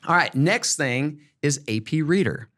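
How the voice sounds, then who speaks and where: This podcast host, a middle-aged American and former principal, explains things emphatically and upbeat in casual educational talk. He speaks on the high side, animated and fairly bright, at a measured pace.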